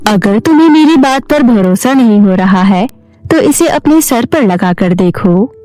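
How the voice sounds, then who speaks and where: A woman voicing a kindly, calm water goddess in a cartoon story, soothing and measured. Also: on the high side, soft background music. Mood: calm, instructing.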